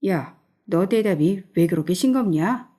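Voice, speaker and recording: A woman's voice: fairly low pitch, animated, a little slow, dark tone. A woman voicing a pushy, commanding middle-aged male friend in an audiobook reading. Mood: bossy. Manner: commanding, needling.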